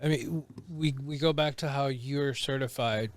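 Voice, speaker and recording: A man's voice: mid-range voice, normal speed. A man co-hosting a casual interview, reacting often and asking questions with enthusiasm. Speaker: podcast co-host.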